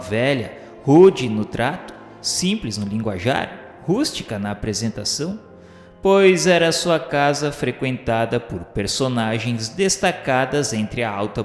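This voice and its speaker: Man, measured slow pace, formal radio-drama narrator, solemn and emphatic, long hall reverb. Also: mid-range voice. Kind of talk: scripted dramatic literary narration for a radio serial. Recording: echoey hall reverb, music behind.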